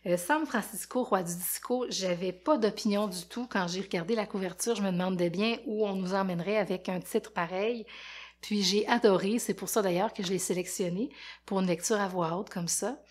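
A woman, a teacher, reading a rhyming picture book aloud to children with a lively, rhythmic delivery and questions for her listeners. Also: medium pitch, normal speed. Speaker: teacher and storyteller.

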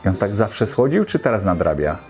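A man's voice: lowish voice, very animated, fairly quick, a little mellow, faint music behind. A man in his fifties giving casual, exclamatory, colloquial commentary as a host reacting to clips. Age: 50s. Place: small indoor home studio.

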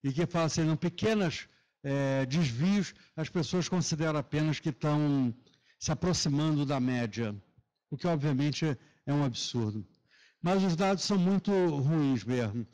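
A man from Rio de Janeiro with a Carioca accent and a hushing sh for s, giving a semi-formal academic lecture in Brazilian Portuguese. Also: on the high side, moderate pace. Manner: hushing sh sound for s. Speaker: lecturer, professor. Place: lecture auditorium.

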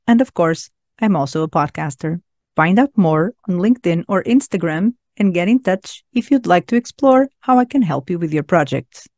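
Portuguese-accented woman host, lowish voice, friendly, headset mic. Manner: friendly, laughs often. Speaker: podcast host. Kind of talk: casual interview. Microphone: headset with studio mic.

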